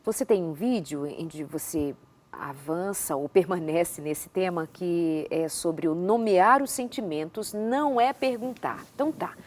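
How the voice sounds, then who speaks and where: A woman's voice: fairly low pitch, a little slow, darkish tone. Thoughtful Brazilian woman hosting. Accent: Brazilian Portuguese. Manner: thoughtful, paraphrases the guest. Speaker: show host. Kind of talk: interview questions.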